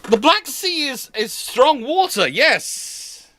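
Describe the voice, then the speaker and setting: A man's voice: very high voice, sing-song, slow, pushed and bright, slight background noise. A man hosting an informal live history Q&A, hesitant and repeating words as he thinks, with dry, wry humour. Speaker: host answering audience questions.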